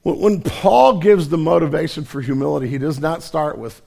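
A male pastor preaches a sermon in a hoarse, raspy voice from a cold, sounding earnest and conversationally self-deprecating. His pitch is fairly high, his tone warm, and his pace normal.

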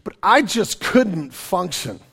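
A middle-aged man, preaching a sermon in a conversational, self-deprecating way with joking asides, his voice raspy and hoarse from a cold. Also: sits high, big pitch swings, slow pace, fairly bright tone. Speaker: pastor.

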